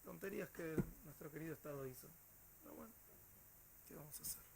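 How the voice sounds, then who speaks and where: A male teacher with a Rioplatense Spanish accent, telling a story to his class in an animated way with hesitant fillers. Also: on the high side, quick pace, vocal fry, heavy background noise.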